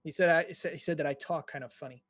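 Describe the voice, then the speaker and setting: A man's voice: fairly high pitch, steady tone, rapid-fire, fairly bright tone. A man voicing a meek young male dwarf worker who stammers and apologizes, his voice lighter than other dwarves. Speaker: game master. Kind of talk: tabletop game role-play.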